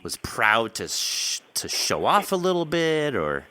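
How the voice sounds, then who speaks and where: Bright-voiced man hosting a casual interview. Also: mid-range voice, wildly swooping pitch, measured pace. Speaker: podcast host and interviewer. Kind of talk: casual interview chat about fiction writing.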